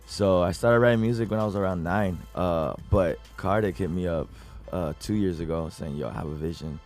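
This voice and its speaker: A young man from Puerto Rico, a guest artist, telling his music story in a relaxed interview chat with easy laughs. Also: low voice, brisk. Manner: laid-back, laughs between stories.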